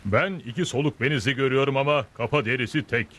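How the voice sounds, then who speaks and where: A man playing a proud, blunt Native American chief in a Turkish cartoon dub, making slow, solemn declarations. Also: mid-range voice, fairly bright tone, natural voice. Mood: solemn, stern. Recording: music behind the voice.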